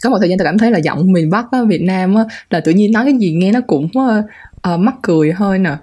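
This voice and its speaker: A woman's voice: mid-range voice, lively intonation, quick pace, mellow. A woman giving her opinions in casual chat, mixing in English words.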